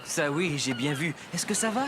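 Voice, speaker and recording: A man voicing a patient, encouraging father in a children's cartoon, speaking in a gentle, reassuring way. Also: fairly high pitch, lively intonation, moderate pace, heavy background noise, natural voice. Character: patient, encouraging adult father of small boy.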